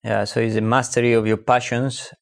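A man's voice: mid-range voice, little pitch movement, gravelly. A man from Spain, talking reflectively in a casual discussion and often restarting his sentences. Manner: reflective, halting with repeated restarts.

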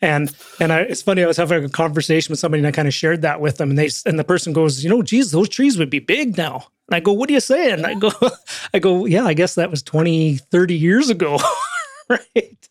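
A middle-aged man hosting a podcast, chatty and quick to laugh, telling stories and asking follow-up questions. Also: on the high side, expressive, no room sound, studio quality. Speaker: podcast host. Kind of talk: casual conversational interview.

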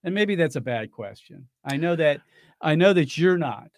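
A man hosting a radio talk show, interviewing his guest in a chatty, conversational way, laughing often and dropping into quiet asides. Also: on the high side, expressive, normal speed, dry recording, studio quality.

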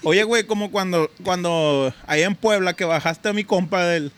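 Bright Mexican man joking on a podcast. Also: sits high, smooth. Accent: Mexican Spanish. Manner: jokey, profane, quick asides. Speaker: podcast co-host. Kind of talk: casual banter.

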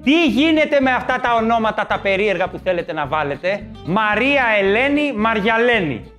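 A male comedian performing a stand-up monologue, riffing and mimicking people shouting names, with quick asides. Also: sits high, big pitch swings, soft background music.

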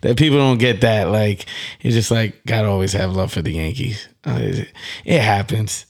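A man's voice: fairly low pitch, normal speed, a little mellow. A man from the South Bronx, raised in Wisconsin, hosting a casual interview and asking rambling questions. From South Bronx, New York. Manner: friendly, backchannels a lot, rambling questions. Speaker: podcast host.

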